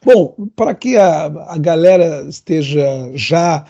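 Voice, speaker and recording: A man from northern Portugal speaks in a husky, gravelly voice with a European Portuguese accent bent toward Brazilian. He talks in an animated way, full of fillers and asides. The sound is dull and lo-fi. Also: a little high, slow pace. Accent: European Portuguese, adapted toward Brazilian. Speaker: guest, LinkedIn consultant. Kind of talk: casual interview chat.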